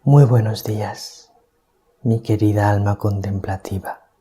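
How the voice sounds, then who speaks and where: A priest from giving a calm, deliberate gospel reflection at night, keeping his voice down so as not to wake anyone. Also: fairly low pitch, breathy edge. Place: small hermitage at night.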